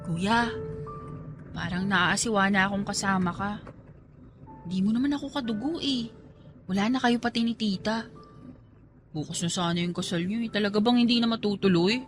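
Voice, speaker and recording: A woman's voice: medium pitch, moderate pace, pauses often, music in the background, natural voice. A woman playing a loyal young niece who pleads earnestly in a radio romance drama. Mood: gently pleading. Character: pleading, loyal young niece defending her heartbroken aunt.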